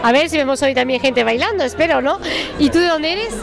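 A woman's voice: high-pitched, expressive, fairly quick, gravelly. A woman in Spain hosting a TV interview on location, chatty and prompting, with frequent tag questions. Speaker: TV show host. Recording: live music and crowd behind.

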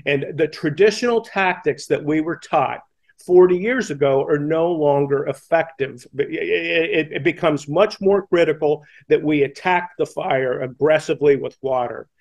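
An American man in his sixties explaining things emphatically in an interview, halting and repeating the starts of words. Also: on the high side. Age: 60s. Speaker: fire command instructor and podcast guest. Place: indoor room, on a video call. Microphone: headset boom mic.

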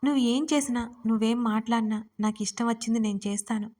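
A woman's voice: on the high side, steady tone, quick pace, dark tone, close to an everyday voice. A woman voicing a domineering young husband who speaks in a playful, bossy, unbothered way. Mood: teasing.

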